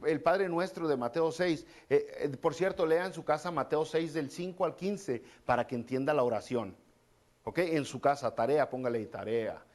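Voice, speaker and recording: A man's voice: a little high, darkish tone. A man preaching a casual, conversational sermon, repeating key phrases and calling his listeners brother. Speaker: pastor.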